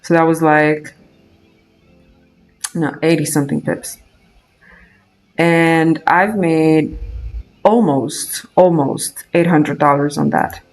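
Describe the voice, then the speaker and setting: A man's voice: on the high side, steady tone, slow, long pauses. A young man from Romania with a Romanian accent, chatting casually on a live trading stream, thinking aloud with many fillers and restarts. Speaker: day trader streaming live.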